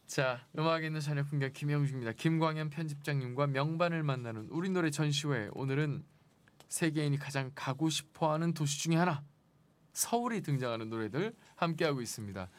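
A man from the Jeolla region hosting a radio talk show in a studio, speaking softly and in a relaxed way. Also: on the high side, brisk. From South Jeolla or North Jeolla, South Korea. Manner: soft-spoken, relaxed, reads listener messages aloud. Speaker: radio host. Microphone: studio microphone.

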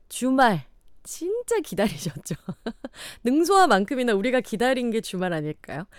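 A woman's voice: fairly high pitch, clean tone, dry recording. A woman from Daegu hosting a live radio show, chatty and laughing often, in a studio. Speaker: radio host. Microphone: studio microphone.

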